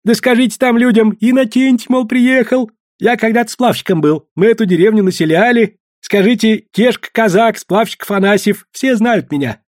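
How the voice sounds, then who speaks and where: A man voicing a short, beardless, fawning male merchant in a thin, high voice. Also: normal speed, hardly any pauses, no echo, studio quality, lightly acted. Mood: boastful. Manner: fawning, pleading.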